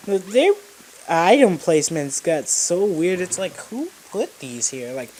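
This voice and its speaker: A man's voice: sits high, sing-song, measured pace, darkish tone, a little hiss or hum. A young man giving casual, slangy, rambling game commentary as the host of a gaming video. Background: video game music.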